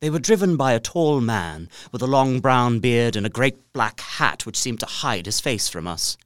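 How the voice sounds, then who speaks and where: An actor playing an earnest, uneasy gentleman traveller, narrating his journal in a deliberate, literary gothic drama style. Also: medium pitch, clean tone, no room sound, studio quality, lightly acted. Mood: fearful awe. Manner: literary, deliberate, expressive storytelling.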